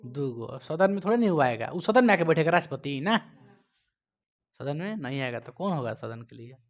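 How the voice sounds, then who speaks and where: A male teacher with a Bihari Hindi accent, giving a classroom lecture, quizzing his students and scolding them, loud one moment and quiet the next. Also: a little high, sing-song, a little fast. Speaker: coaching teacher.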